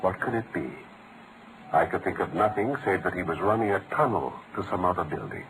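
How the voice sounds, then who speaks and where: World-weary brainy british detective, very expressive, old radio drama with a bit of hiss. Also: male voice, low-pitched, brisk. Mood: precise, deductive. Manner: articulate, theatrical, explanatory delivery. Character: brilliant, precise, world-weary gentleman detective. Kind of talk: 1940s-style radio drama acting. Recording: noisy old-time radio recording.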